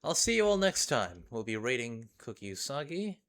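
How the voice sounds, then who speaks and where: A man's voice: mid-range voice, very animated, moderate pace, fairly bright tone, faint music behind. A man chatting casually as he hosts a livestream. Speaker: streamer.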